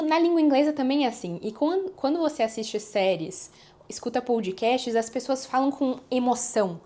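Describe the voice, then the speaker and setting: A young woman vlogging, chatting to her viewers in a lively, animated way. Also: fairly high pitch. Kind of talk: casual chat to camera.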